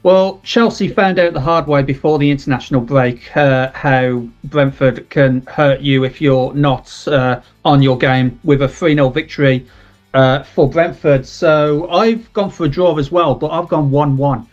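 A man's voice: a little high, unhurried, muffled recording, soft background music. A man on a radio sport panel giving his score prediction in a matter-of-fact way.

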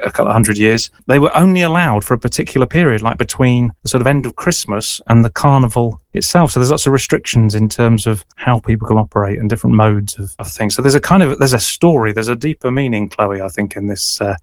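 Male interviewer, conversational, explanatory, hedging phrasing, mid pitch, dry recording. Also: dry recording. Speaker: interviewer, host.

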